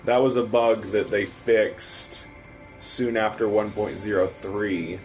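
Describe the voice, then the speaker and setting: A man's voice: fairly low pitch, steady tone, slow pace, faint music behind. A man from the American Midwest with a Midwestern accent, chatting casually while streaming a game and answering viewers. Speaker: livestream host. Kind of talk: casual gameplay commentary.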